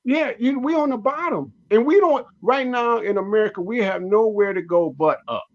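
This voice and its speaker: On a casual radio talk show, a comedian guest in his sixties hammers his points home, preachy and emphatic, repeating phrases. He has a high voice at a moderate pace, and the sound is lo-fi.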